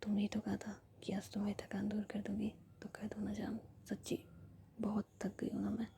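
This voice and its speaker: A woman's voice: medium pitch, monotone, brisk, gravelly, slight background noise, natural voice. A woman whispering the lines of an affectionate, dramatic young woman who pleads and coaxes. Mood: coaxing. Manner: soft whisper, coaxing.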